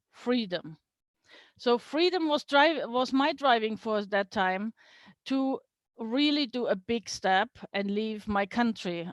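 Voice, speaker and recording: A middle-aged guest speaker from East Germany, German her first language, gives an earnest business talk online over a video call, making small slips in her English. Her voice is medium-pitched, with no echo.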